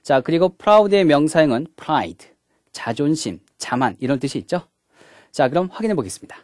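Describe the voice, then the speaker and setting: A man's voice: fairly high pitch, sing-song, moderate pace, a little mellow, dry recording, clean studio sound. A man giving a recorded English grammar lecture, walking through each point step by step and opening each one with a short "자". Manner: mixes English words into the explanation.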